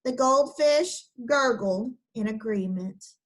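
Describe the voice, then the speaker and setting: Slow, patient woman teacher. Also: fairly high pitch. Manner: patient, explains step by step to children. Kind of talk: classroom lesson and picture-book read-aloud.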